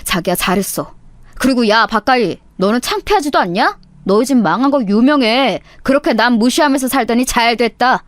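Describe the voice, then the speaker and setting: A woman's voice: on the high side, expressive, normal speed, no echo, natural voice. A woman voicing a blunt, protective husband who scolds a rude guest. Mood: indignant.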